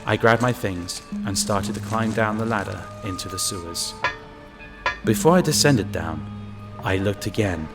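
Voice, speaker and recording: An uneasy male inspector acted by a man tells his story in a lowish voice over a clear music bed. He is alone in the sewers, narrating in the first person and muttering to himself as he goes, in the manner of an audio drama. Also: a little slow. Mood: brooding, watchful narration. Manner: talks to himself, musing.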